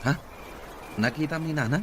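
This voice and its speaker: A man's voice: a little high, moderate pace, close to an everyday voice. A man playing a pushy, sly male cousin in an Ilocano audio drama. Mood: casual, stubborn. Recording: noisy amateur recording.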